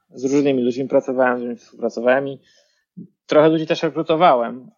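Intonation stays fairly even as the man speaks at a medium pitch. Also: long, frequent pauses, big swings in loudness. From Poland, near Warsaw. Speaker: software engineer. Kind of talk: casual interview. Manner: halting, many fillers.

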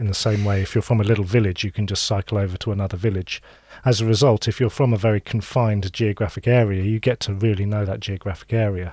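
A man with a fairly low pitch and a dark, mellow, somewhat breathy tone speaks at a very fast pace. His intonation is fairly even, and the recording is very clean, with a silent background. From small island. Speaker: ritual artist and magician. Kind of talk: interview.

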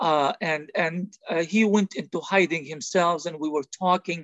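A man speaks with an Arabic accent. His voice sits high in pitch. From Gaza Strip, Palestine. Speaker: author. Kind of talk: interview. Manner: halting, with repetitions.

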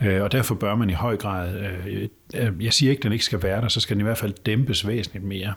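A man's somewhat breathy, fairly low-pitched voice with fairly even intonation, on a very clean recording with a silent background. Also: fairly quick pace. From Southern Schleswig, Germany (Danish minority). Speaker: secretary general of a church media organisation. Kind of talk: casual chat.

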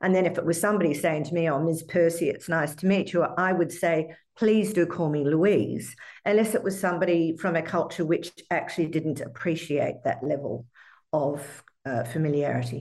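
A woman with an Australian accent talks at a moderate pace in a fairly low pitch. Her pitch varies in an ordinary way, and her loudness stays very even. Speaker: etiquette trainer and consultant. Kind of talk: interview conversation.

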